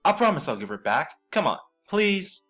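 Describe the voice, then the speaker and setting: A man's voice: a little high, sing-song, moderate pace, a bit bright, soft background music. A man playing a pushy, eager young brother in an audio drama, wheedling and insistent. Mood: pleading, insistent.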